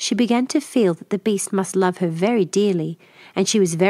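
The pitch variation is ordinary as someone is reading aloud in a natural voice.

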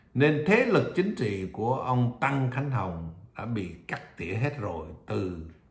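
In a room with audible echo, a man speaks very slowly and somewhat breathily, his pitch swinging very widely. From Vietnam. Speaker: political commentator. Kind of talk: solo political commentary monologue. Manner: formal. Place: home room. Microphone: phone near.

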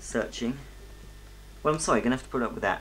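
A man speaks with a Home Counties accent. There is light background noise. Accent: Southern English, home counties. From Southern England. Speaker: vacuum cleaner collector. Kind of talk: casual home video tour to camera. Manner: chatty, self-mocking. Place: home room. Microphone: old recording.

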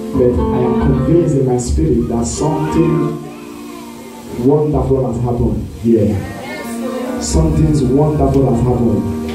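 Fairly slow speech with audible room echo and clear music in the background. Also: man. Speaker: preacher. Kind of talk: sermon. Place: church. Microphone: pa.

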